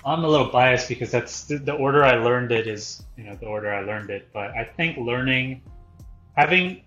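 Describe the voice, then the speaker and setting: A man's voice: mid-range voice, moderate pace, a bit bright. A man from Korea who moved to the US young, a native Korean speaker, chatting informally as a podcast guest and explaining with examples. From born in Korea, moved to the US young. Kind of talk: casual podcast conversation. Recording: roomy echo, dull lo-fi sound, faint music.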